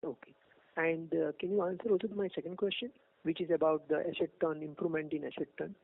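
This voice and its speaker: Fast-talking, gravelly Indian man on tinny phone. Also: fairly high pitch, steady tone. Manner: insistent, probing. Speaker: analyst asking questions. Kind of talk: informal earnings-call questioning.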